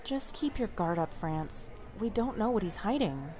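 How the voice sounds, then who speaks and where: A woman's voice: mid-range voice, animated, normal speed, darkish tone, lightly acted. A woman playing a wary, suspicious, blunt friend in an audio drama, talking casually and sardonically. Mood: wary, wry.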